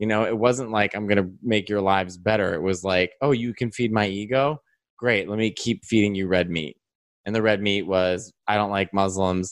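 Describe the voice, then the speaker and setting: In a plain, everyday voice, a man talks at a moderate pace and fairly low pitch, his intonation fairly even over a quiet background. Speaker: comedian. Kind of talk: casual chat.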